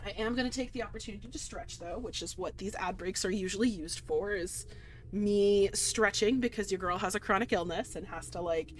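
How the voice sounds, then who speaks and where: A woman's voice: medium pitch, fairly quick, slight background noise. A woman streamer giving rambling, enthusiastic commentary on a game, full of fillers and trailing sentences.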